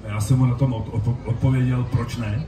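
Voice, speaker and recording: A man's voice: mid-range voice, level tone, dark tone. A middle-aged man giving a short anecdotal speech from an open-air festival stage. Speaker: festival speaker. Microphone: stand mic through PA, recorded from audience. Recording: noisy, echoey stage PA from far off.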